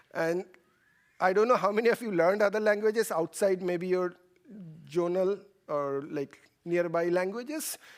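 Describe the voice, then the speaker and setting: A man speaks at a moderate pace in a high pitch, with ordinary pitch variation and long, frequent pauses. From India. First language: not English. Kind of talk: technical conference talk with live demo. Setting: stage with audience in theater.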